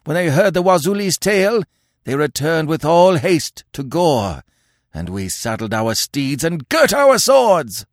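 A man's voice: a little high, very animated, a little slow, no room sound, clean studio sound, voice pushed up. A man voicing a gaunt old tribal chief in a storybook, howling furious accusations. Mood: furious, accusing. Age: older.

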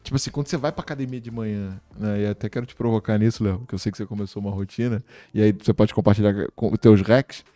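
Brief: man, low-pitched, casual slangy host, dry close sound. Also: very fast, hardly any pauses, no room sound. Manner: relaxed, slangy, laughs often. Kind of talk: casual chat.

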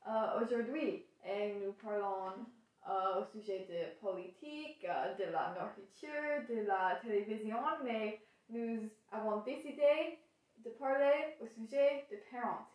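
A woman's voice: on the high side, takes it slowly, darkish tone. Hesitant American girl, echoey room. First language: English. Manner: hesitant, many fillers and restarts. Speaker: student podcaster. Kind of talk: casual chat in learner French. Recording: echoey room, distant from mic.

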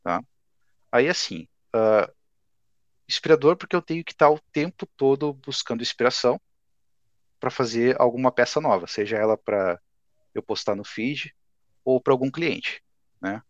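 A man's voice: mid-range voice, lively intonation, normal speed, long pauses, dry recording, lo-fi sound. A man in his twenties, a guest artist, chatting casually and laid-back on a podcast. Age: 20s. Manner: laid-back, says "cara" often.

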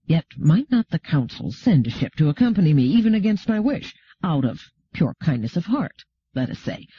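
Dry, wry bearded captain, voiced by a male narrator; lowered husky voice. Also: big pitch swings, moderate pace, dry recording. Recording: dull lo-fi recording.

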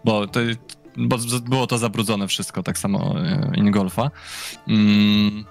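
A man's voice: on the low side, level tone, unhurried, gravelly, a little mellow, faint music behind. A man running a tabletop game as game master. He narrates casually, with fillers and chuckles, and often says "listen".

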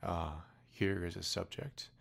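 A man playing a pompous old storybook king, speaking slow, deep and grand with a gravelly rumble. Every line lands as a royal command, softened by a kindly streak. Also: fairly even intonation, full character voice. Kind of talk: audiobook character voice.

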